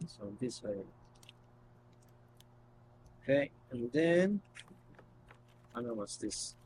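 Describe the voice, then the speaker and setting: Slow-talking man, casual unboxing, noisy recording. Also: mid-range voice, sing-song. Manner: halting, thinking aloud while handling items. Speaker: video host.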